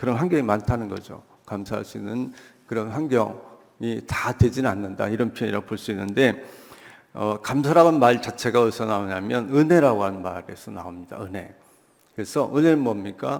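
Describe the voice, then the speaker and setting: In an unremarkable speaking voice, a man of medium pitch talks at a fairly quick pace, showing ordinary pitch variation and big swings in loudness. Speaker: guest pastor. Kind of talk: sermon. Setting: church.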